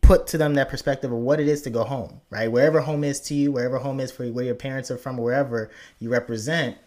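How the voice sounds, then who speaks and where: A man from Nigeria hosting a casual interview, enthusiastic and warm, who often rephrases his questions aloud. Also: medium pitch, fairly even intonation, quick pace.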